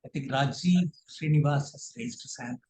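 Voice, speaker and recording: A high-voiced man with an Indian accent leads a workshop as a trainer. He speaks in an instructive, deliberate manner and stresses his points. The sound is roomy and echoing. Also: lively intonation, vocal fry, darkish tone. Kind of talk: workshop teaching.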